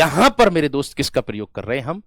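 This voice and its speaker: A man teaching a Hindi class, slowly repeating words, addressing students as friends, while running a fever. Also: medium pitch, sing-song, fairly bright tone, no room sound, clean studio sound. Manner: slow, drawn-out repetition of words. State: has a fever. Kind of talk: online class lecture.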